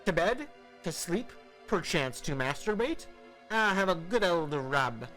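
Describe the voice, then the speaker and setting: Man acting out a manic, high-pitched taunting madman. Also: very animated, a little slow, soft background music, full character voice. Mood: mocking. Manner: shouting, rambling, erratic swoops, mock-playful. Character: manic, taunting, unhinged young man on the phone.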